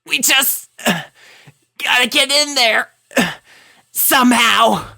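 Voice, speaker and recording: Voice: medium pitch, lively intonation, slow, vocal fry, bright, forceful tone, voice pushed up, exaggerated voice. A performer voicing a brash, frantic young female pegasus pony with urgent, strained delivery in a storybook reading. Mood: strained, straining. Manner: urgent, strained, hesitant bursts.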